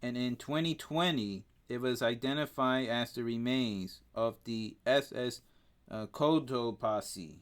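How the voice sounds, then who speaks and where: A man with a Spanish accent reads facts aloud on a casual podcast, slowly and haltingly. He trips over names and fills the gaps with hesitations. His voice sounds smooth and clear. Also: medium pitch. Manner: halting reading, stumbles over names with frequent fillers. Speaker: podcast co-host.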